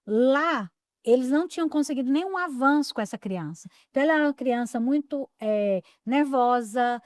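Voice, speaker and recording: Woman pastor, higher voice. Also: lively intonation, moderate pace, no room sound, studio quality. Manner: warm affirming interjections, reflective storytelling. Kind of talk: casual chat.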